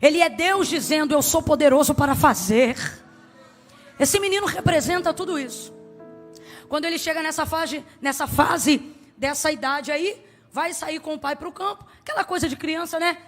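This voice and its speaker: A woman preaching a sermon, emphatic, swinging from soft to loud and asking the congregation to answer back. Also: high voice, normal speed, faint music behind. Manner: asks the congregation to respond.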